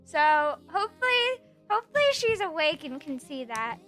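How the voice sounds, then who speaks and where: Woman streamer, high and bright, playful rambling chat over soft background music. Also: very animated, normal speed. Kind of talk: casual chat reading stream chat.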